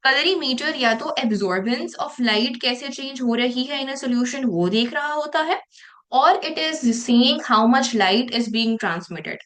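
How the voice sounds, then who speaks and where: A woman's voice: fairly high pitch, a bit bright. A young woman speaking like a serious teacher to a class, explaining things step by step. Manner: serious, strict-teacher delivery. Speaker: biology teacher. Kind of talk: exam walkthrough lesson, mixing Urdu and English.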